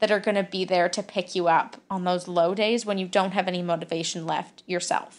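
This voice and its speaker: Against a quiet background, a woman with an ordinary speaking voice talks at medium pitch and a moderate pace with fairly even intonation. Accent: Canadian. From Canada, Calgary, Alberta. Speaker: former Olympic luge athlete, culinary student. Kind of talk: casual interview.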